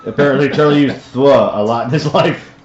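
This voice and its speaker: A man's voice: mid-range voice, a little fast, crowd noise. A man playing in a casual tabletop game stream, joking and teasing playfully with the others. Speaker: player and co-host on a game stream. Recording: roomy, dull audio with clear noise.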